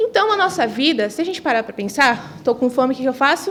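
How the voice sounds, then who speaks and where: A woman talks at a fairly quick pace with a high pitch. Her intonation is lively. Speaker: spiritist youth speaker. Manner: fast.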